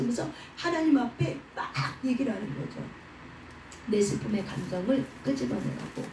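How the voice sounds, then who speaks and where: Warm-voiced woman preaching in an echoey hall. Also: sits high, a little hiss or hum. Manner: asks rhetorical questions and answers them herself; has the congregation repeat after her. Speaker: preacher at a prayer house. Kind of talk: sermon. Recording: echoey room, voice from a distant mic.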